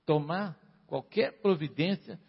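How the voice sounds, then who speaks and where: A man preaching a sermon to a congregation, reading scripture and explaining it with sharp rises and drops and frequent calls for amen. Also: a little high, takes it slowly, breathy edge. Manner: emphatic, rises and falls sharply, asks the congregation for amens. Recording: dull lo-fi sound with long hall reverb.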